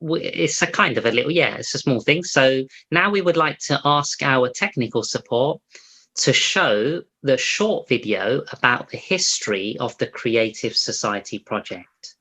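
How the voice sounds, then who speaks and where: A man hosting an online interview, with fillers and rephrasing his questions to make them clear. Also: medium pitch, expressive, unhurried. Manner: warm-up fillers, restarts questions to clarify. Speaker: host.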